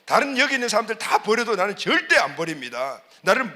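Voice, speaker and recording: Preacher doing a brash, boastful disciple in a sermon: high, bright male voice, emphatic. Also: very animated, quick pace, exaggerated voice. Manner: emphatic, insistent declarations.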